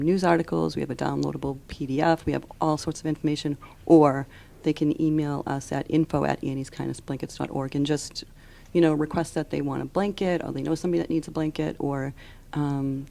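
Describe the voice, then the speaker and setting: A woman giving unscripted interview answers as a charity founder, explaining earnestly and haltingly. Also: low voice, creaky, mellow. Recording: on-location audio with background noise.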